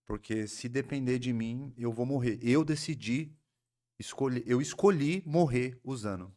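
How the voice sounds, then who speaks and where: Homem, sotaque paulista do interior, fala séria e pausada, relato pessoal, entrevista em podcast. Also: male voice, mid-range voice, warm tone. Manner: earnest, reflective storytelling with frequent restarts. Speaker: psychoanalyst guest. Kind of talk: personal recovery story in a podcast interview.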